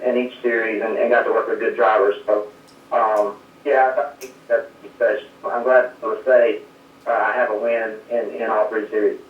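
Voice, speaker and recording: A man, a race crew chief answering interview questions modestly while calling in from home over a phone line that breaks up. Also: medium pitch. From South Carolina, USA. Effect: calling in remotely over a phone line that breaks up and fades. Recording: dull, distant, echoey call-in line.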